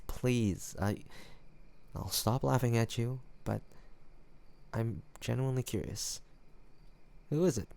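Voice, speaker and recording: A man's voice: lowish voice, creaky, darkish tone. A man acting a cocky young student in an audio roleplay, teasing and mocking an academic rival. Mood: curious, teasing. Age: young adult.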